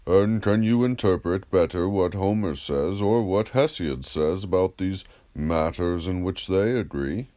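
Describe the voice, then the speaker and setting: Man playing courteous probing philosopher, measured, methodical, low pitch, unhurried delivery, audiobook reading. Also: expressive, dark tone. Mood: patient probing. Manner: measured, polite, methodical questioning. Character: wise, courteous Greek philosopher, patiently probing.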